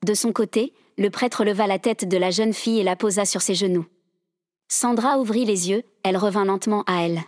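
A woman doing the scripted narration of an audio drama in a steady storytelling manner. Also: mid-range voice, brisk, dry recording, clean studio sound.

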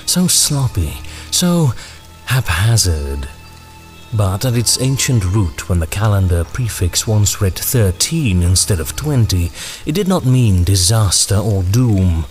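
A sinister gentleman ringmaster for an audio drama. He speaks very slowly in a low voice, shaping ornate, archaic phrases with courtly menace. Music plays behind him. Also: sing-song. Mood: ominous musing. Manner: theatrical, archaic, deliberate phrasing.

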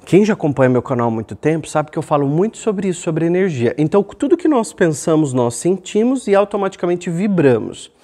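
A man's voice: a little high, big pitch swings, fairly quick, hardly any pauses, mellow. A man with a Brazilian Portuguese accent, hosting his own self-help video and giving an emphatic motivational talk to camera, repeating key phrases and shifting his pace. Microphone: camera microphone.

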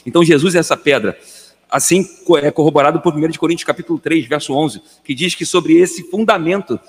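A man's voice: on the high side, fast, long reverb tail. A Brazilian man in a casual Bible study discussion, earnest and repeating words as he thinks aloud. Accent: Brazilian Portuguese.

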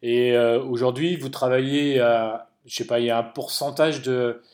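A man's voice: medium pitch, steady tone, normal speed, darkish tone. Hesitant male interview host. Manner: hesitant, many fillers. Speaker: podcast host. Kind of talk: interviewing guests.

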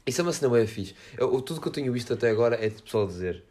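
A man's voice: mid-range voice, lively intonation, very fast, a little mellow. A young man with a European Portuguese accent hosts a podcast in casual, slangy chat, repeating his points with enthusiasm. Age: young adult. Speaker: podcast host.

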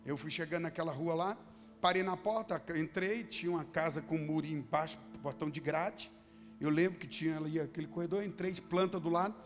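A man's voice: on the high side, steady tone, a little fast. A man, a pastor preaching a sermon and telling a story with passion, acting out the people he quotes. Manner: impassioned, acts out quoted voices. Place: church hall. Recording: long hall reverb with faint music.

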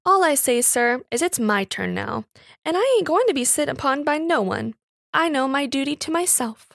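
Storybook housemaid, played by a woman: proud, indignant, uneducated speech, high voice with little creak, close and dry. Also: expressive, normal speed, fairly bright tone, no echo, full character voice. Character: pert, defiant young housemaid newly come into money.

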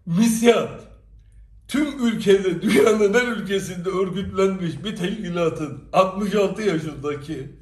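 A man with a high voice speaks straight to camera, emphatic and full of rhetorical questions. He sits some distance from the mic, and his voice rings through a reverberant room. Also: slow pace, darkish tone. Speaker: commentator addressing followers. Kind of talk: direct-to-camera monologue. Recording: echoey room, away from the mic.

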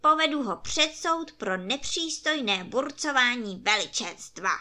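A woman's voice: on the high side, expressive, sharp tone. A woman voicing a grumpy, sleep-deprived emperor in a storybook tale who barks orders at his guards. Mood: exasperated. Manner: barking orders.

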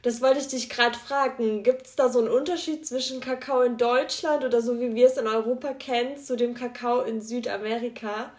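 Higher-voiced woman hosting in an echoey room. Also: fairly even intonation, a little fast, few pauses. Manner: friendly, curious questions. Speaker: podcast host. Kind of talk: interviewing.

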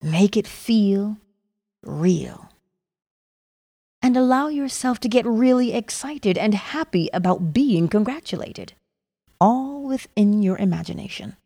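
A woman softly narrating a guided meditation in a soothing manner, with gravelly fry and breathy phrase endings that trail toward a whisper. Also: mid-range voice, animated, slow pace. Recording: long reverb on the voice.

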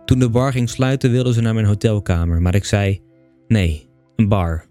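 Calm low-voiced male storyteller. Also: normal speed, faint music behind. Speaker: audiobook reader. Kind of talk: scripted narration of a bedtime story.

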